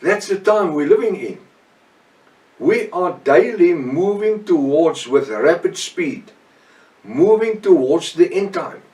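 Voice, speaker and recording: A man's voice: fairly high pitch, expressive, a little mellow. Echoey South African Afrikaans preacher, male, middle-aged. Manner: earnest, emphatic, halting delivery with repetition and short phrases. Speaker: preacher and Bible teacher. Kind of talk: extemporaneous Bible teaching sermon. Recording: echoey room, distant microphone.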